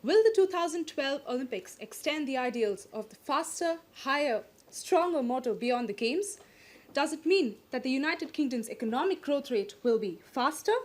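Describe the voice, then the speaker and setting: A woman's voice: high voice, animated, normal speed. A young woman from India, speaking as a contestant in an articulate, poised way.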